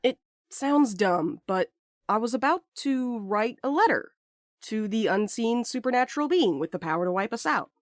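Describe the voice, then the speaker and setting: An actor plays a sardonic young postmaster in a naturalistic audio drama. The talk is casual and stubborn, full of wry deflection. The voice sits at a middle pitch in a very dry recording. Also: expressive, normal speed, no echo, lightly acted.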